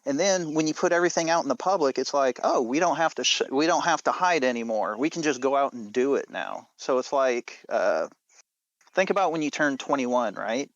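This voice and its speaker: A man with a medium-pitched voice talks casually through story themes in a dry, slightly dull recording. He speaks informally and punctuates his points with rhetorical check-in questions. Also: animated, fairly quick, dry recording. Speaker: podcast co-host and show creator.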